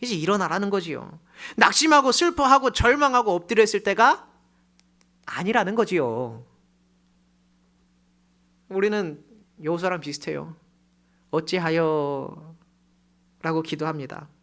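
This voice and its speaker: A pastor giving a sermon in a church, telling a story with loud emphasis that drops to hushed, low phrases. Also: animated, measured pace, long pauses. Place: church sanctuary.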